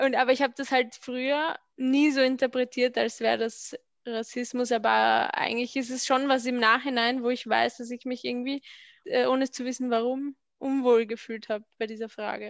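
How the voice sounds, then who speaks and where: A woman's high pitch in a monotone with flat intonation, at a moderate pace over a quiet background. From Austria, Vienna. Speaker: podcast panelist. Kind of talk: casual chat.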